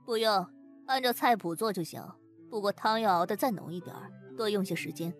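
A woman's voice: medium pitch, lively intonation, brisk, soft background music, close to an everyday voice. A woman voicing an imperious, impatient, exacting young lady of the house in an audiobook. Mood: businesslike.

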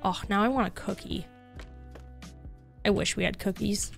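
A woman's voice: mid-range voice, steady tone, normal speed, creaky, faint music behind. A young adult woman streaming a game, chatting casually in a bubbly way with lots of filler words. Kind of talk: casual chat while playing a game.

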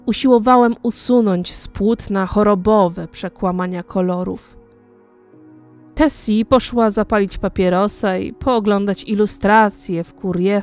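A woman narrating a gothic audiobook in a measured, deliberate way. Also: medium pitch, darkish tone, clear, resonant tone.

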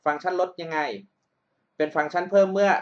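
Guy tutoring math over a screen share, kinda high voice, patient step by step, dull lo-fi sound. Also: fairly even intonation, fast talker. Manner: patient, explains step by step and checks understanding. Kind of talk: screen-recorded math lesson.

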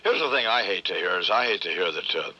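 Hoarse ranting male radio host. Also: deep voice, very animated, fast talker, sharp tone, dull audio. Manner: grumbling, ranting. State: hoarse from a cold. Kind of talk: morning radio banter.

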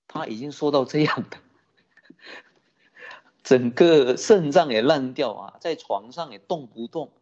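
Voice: medium pitch, a little slow, long pauses, a little mellow. A Buddhist teacher giving a sermon, telling a story with many rhetorical questions. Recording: dull lo-fi recording.

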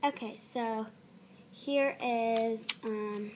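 Halting young woman with a runny nose. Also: a little high, steady tone, darkish tone. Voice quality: stuffy, runny-nosed. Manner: halting, hesitant. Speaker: amateur voice actor auditioning on video. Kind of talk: casual vlog chat. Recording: noisy home camera recording.

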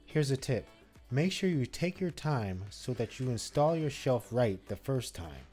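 A man's voice: medium pitch, big pitch swings, measured pace, a little mellow, faint music behind. A man, co-host of a home-improvement channel, giving a scripted step-by-step voice-over on installing a shelf. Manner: instructive, step-by-step.

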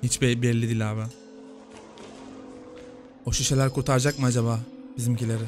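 A man giving casual let's-play commentary, excitable and shouting at the screen during a fight. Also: mid-range voice, fast. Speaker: gaming youtuber. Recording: game music loud behind voice.

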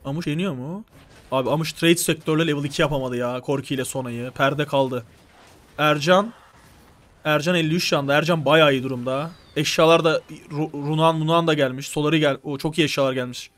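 A young man streaming live, coaching players through a strategy game with urgent, animated instructions. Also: a little high, fairly quick.

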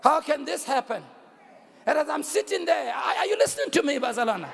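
A man with a South African accent preaching a sermon as a bishop, telling a story loudly and repeating phrases for emphasis. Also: extremely high pitch, lively intonation, brisk, vocal fry. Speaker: bishop and pastor. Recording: long hall reverb.

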